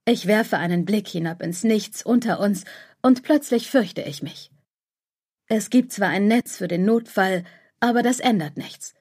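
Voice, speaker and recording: A woman narrating a novel in the first person as a scripted audiobook reading, calm and measured. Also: medium pitch, breathy edge.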